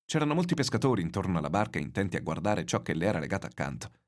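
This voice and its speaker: A man reading a novel aloud in measured, expressive literary narration. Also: sits low.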